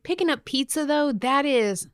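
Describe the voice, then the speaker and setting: A woman co-hosting a podcast, chatting casually and reading listener mail in a playful, expressive way. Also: high-pitched, normal speed, no room sound. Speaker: podcast co-host.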